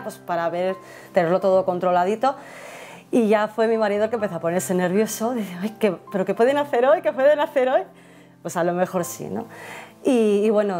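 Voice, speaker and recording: A woman's voice: medium pitch, a little mellow. A mother from Spain giving an earnest, reflective personal account, with frequent fillers and restarts. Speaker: interviewee, mother. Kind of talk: personal testimony.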